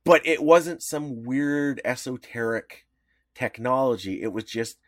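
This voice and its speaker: A man's voice: medium pitch, animated, a little slow, no echo, studio quality. A man co-hosting a podcast, explaining at length in a casual, rambling way with lots of fillers. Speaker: podcast co-host.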